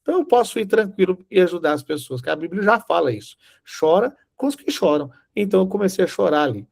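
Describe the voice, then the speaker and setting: Animated man telling a testimony. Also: high-pitched, fast, creaky. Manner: animated storytelling, acting out dialogue. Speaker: Bible teacher. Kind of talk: sermon with personal testimony.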